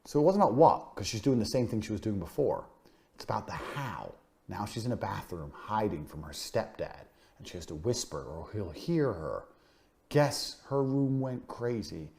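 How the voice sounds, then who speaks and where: A business course speaker gives a motivational lecture, blunt and boastful, swearing freely and driving points home with punchy, emphatic repetition. His voice is warm and fairly low.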